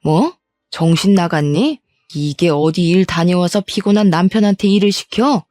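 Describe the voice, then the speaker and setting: A sharp-tongued older mother-in-law nags and belittles without pause, as a female storyteller puts her on. The voice sits a little lower than the teller's own and has a mellow, soft tone. It is recorded dry and close, like a storybook audio reading. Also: no room sound, lightly acted. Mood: scolding. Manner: scolding, contemptuous.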